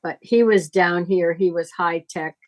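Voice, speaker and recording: A middle-aged woman teaching informally in conversation, explaining things in a halting, deliberate, reflective way. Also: fairly low pitch, fairly even intonation, poor audio. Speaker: astrology teacher.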